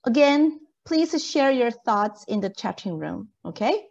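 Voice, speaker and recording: A woman's voice: a little high, big pitch swings, measured pace, gravelly, darkish tone, lo-fi sound. A woman lecturer giving an interactive online lesson in an encouraging way, checking understanding with questions. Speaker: university lecturer. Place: indoor video call.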